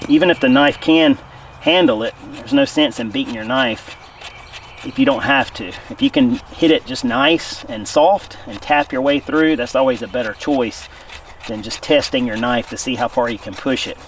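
A man's voice: medium pitch, normal speed. A man in his forties, a bushcraft host, casually explaining what he does while he works at a forest campsite. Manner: relaxed, talks while working with hands. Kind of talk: casual outdoor instruction. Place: outdoors in a forest camp. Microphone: camera a few feet away. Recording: voice a bit distant with faint outdoor noise.

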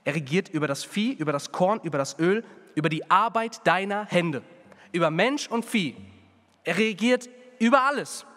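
A man's voice: sits high, normal speed. Fervent preaching man in reverberant church. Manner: preaching with big swings between fervent and hushed. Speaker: pastor. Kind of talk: sermon.

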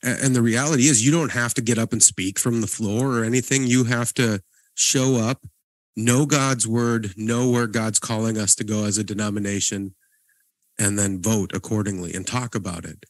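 A man with a lowish voice speaks in a steady tone at a moderate pace, with no echo in the recording. He's a guest pastor co-hosting a church podcast, and in this casual conversation he comes across as earnest and encouraging, often restarting his sentences.

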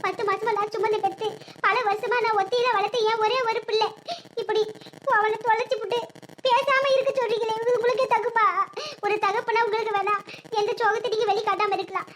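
A woman's voice: very high voice, fairly even intonation, brisk, a bit bright, slight background noise. A woman doing a grieving southern Tamil grandmother. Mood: indignant. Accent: southern Tamil Nadu. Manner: lamenting, advising. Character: grieving older village mother-in-law, stern.

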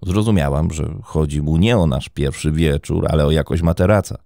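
A man's voice: very deep voice, moderate pace, gravelly, dark tone, no echo, clean studio sound. A man reading the lines of a disappointed woman in her fifties in a weary, bitter tone.

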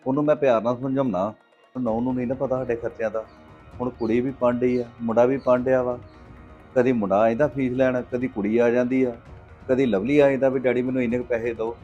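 A middle-aged man playing a patient farmer father who gives calm advice. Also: medium pitch, close to an everyday voice. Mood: advising. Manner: calm, advising, measured. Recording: dull lo-fi sound with faint music.

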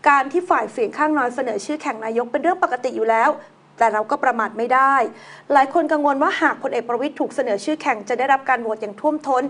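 A woman hosting a news talk show, reading items and chatting about them in a relaxed, conversational way. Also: high voice.

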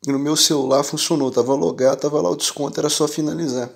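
A man's voice: a little high, fast, vocal fry. A man with a Brazilian accent talking casually and emphatically to his channel's viewers, often checking that they follow. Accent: Brazilian Portuguese. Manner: animated, emphatic, keeps asking "entendeu?". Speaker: tech channel host and shopkeeper. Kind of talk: casual direct-to-viewer talk.

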